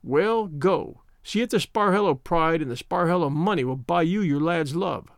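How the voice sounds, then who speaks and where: A man's voice: on the high side, animated, normal speed, creaky, no echo, clean studio sound. A man voicing a scheming old woman witch who speaks in a folksy rustic dialect. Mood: scornful.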